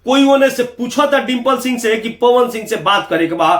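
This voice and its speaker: A man's voice: very high voice, animated, moderate pace, a bit bright, roomy sound. A man with a Bihari Bhojpuri accent giving emphatic, opinionated video commentary, addressing viewers with rhetorical flourishes. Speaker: YouTube commentator.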